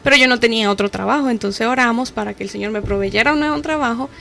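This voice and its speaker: A woman's voice: fairly high pitch, fast talker, creaky, a bit bright. A woman with a Colombian accent telling her personal testimony as a guest on a radio programme.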